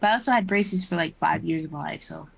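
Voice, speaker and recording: A woman's voice: deep voice, quick pace, gravelly, highs cut off. A woman joining a livestream by voice chat, talking in blunt, dryly joking casual conversation. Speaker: voice chat guest.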